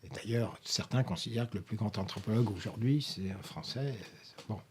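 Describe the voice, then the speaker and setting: A man's voice: lowish voice, brisk, darkish tone, husky. An older man from France recalling a story in an interview, rambling with frequent hesitations and self-corrections. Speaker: interviewee, professor emeritus. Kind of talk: filmed interview, anecdotal recollection.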